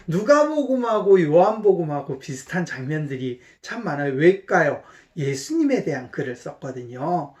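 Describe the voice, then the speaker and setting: A woman teaches a children's sermon in a very lively, up-and-down voice. She keeps asking the children questions as she retells a Bible story. Her tone is friendly and animated. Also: fairly low pitch.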